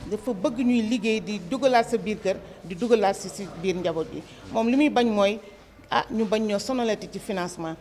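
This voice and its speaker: A woman's voice: medium pitch, fairly quick, a little mellow. A woman who took part in a training, explaining at length in an interview. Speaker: training participant. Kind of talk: interview answers.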